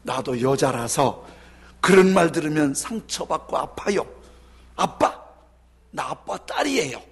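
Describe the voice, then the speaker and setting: Pastor putting on a wounded young daughter, tearful plea, husky voice, hall echo. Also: male voice, a little high, lively intonation, a little slow, heavily acted. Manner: tearful, pleading. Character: hurt young daughter confronting her father.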